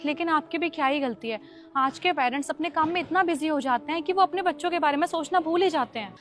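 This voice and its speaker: A woman's voice: very high-pitched, fairly bright tone. A woman playing a stern school principal. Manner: firm, lecturing.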